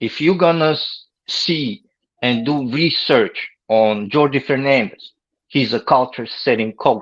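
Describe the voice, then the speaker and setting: A man speaks with a strong non-native accent at a fairly slow pace. His pitch varies in an ordinary way, and the background is quiet. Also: medium pitch for a man. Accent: heavy foreign. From former Soviet country. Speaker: basketball fan guest. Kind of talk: casual chat.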